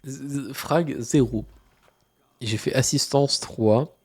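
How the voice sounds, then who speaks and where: Slow, mellow-voiced man with a cold. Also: mid-range voice, breathy edge. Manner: relaxed, mumbling asides, frequent fillers. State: has a cold, stuffy. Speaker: streamer. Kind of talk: casual live gameplay chat.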